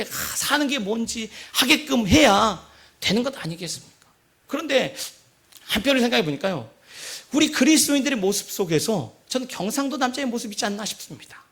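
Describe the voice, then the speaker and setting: A man preaches in a church, keeping it conversational and checking in with his listeners with questions. His voice sits high and carries a gravelly roughness. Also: fairly bright tone. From Jeolla province, Korea. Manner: conversational preaching, asks the congregation questions often. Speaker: pastor. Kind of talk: sermon. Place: church sanctuary.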